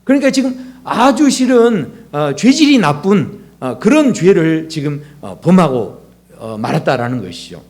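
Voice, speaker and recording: A man's voice: fairly high pitch, very animated, moderate pace, darkish tone. A male pastor delivering a conversational sermon, asking rhetorical questions and acting out quoted dialogue.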